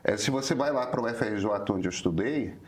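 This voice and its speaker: A man in his fifties with a Rio de Janeiro carioca accent, explaining things in a relaxed talk-show chat, hesitant with frequent filler restarts. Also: on the low side, a little fast. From Brazil, Rio de Janeiro. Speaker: journalist co-host. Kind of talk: casual conversational explanation.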